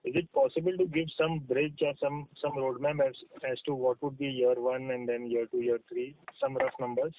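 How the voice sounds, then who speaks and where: A man's voice: medium pitch, little pitch movement, normal speed, few pauses, noisy background. Indian male analyst on phone line. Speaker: analyst calling in with questions. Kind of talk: polite questioning on a conference call. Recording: thin phone-line audio.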